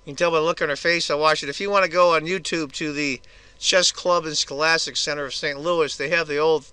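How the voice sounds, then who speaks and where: Hoarse man commenting on chess. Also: fairly high pitch, steady tone, brisk, pushed and bright, dry recording. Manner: casual, chatty move-by-move analysis. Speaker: chess video host.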